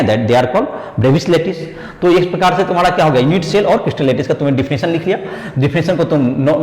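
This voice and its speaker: A man's voice: fairly high pitch, a little mellow. A man teaching a chemistry lesson, mixing Hindi and English and quizzing students with repeated rhetorical questions. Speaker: chemistry tutor. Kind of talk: classroom lecture. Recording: echoey room with long reverb.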